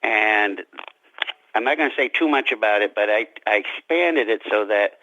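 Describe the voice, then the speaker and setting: A man being interviewed as an author, talking reflectively about his craft in halting, deliberate phrases. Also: on the low side, sharp tone, muffled recording, slight background noise.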